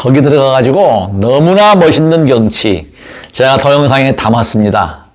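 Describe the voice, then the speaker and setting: Pitch swings very widely in this voice, heard with audible room echo. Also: man. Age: 60s. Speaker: vlogger giving life advice, Buddhist practitioner. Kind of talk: casual storytelling vlog to viewers.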